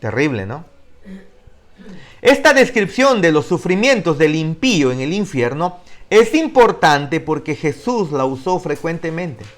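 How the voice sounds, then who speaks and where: A man's voice: on the high side, very animated, measured pace. A man teaching an online discipleship class, emphatic and putting questions to his students. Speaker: Bible teacher.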